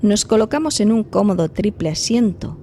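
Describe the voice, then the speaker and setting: Audio drama investigator, played by a woman: thoughtful female narrator, soft mellow tone, slight background noise. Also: mid-range voice, lively intonation, moderate pace, close to an everyday voice. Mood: reflective. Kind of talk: audio drama dialogue and first-person narration.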